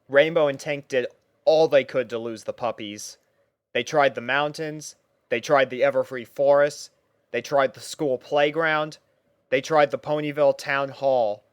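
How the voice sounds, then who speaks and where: A man reads a fan story aloud in an even, unhurried storybook voice. His pitch sits in the middle range. The sound is close and dry, with no room around it. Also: clear, resonant tone, no echo. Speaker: fanfiction reader. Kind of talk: storybook narration.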